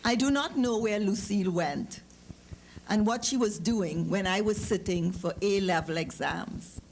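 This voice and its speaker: A middle-aged woman with a Trinidadian accent reads a literary story to an audience, with informal asides and measured, deliberate phrasing. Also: mid-range voice, darkish tone. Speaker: author giving a public reading. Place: live lecture event. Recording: noticeable background noise, clicks.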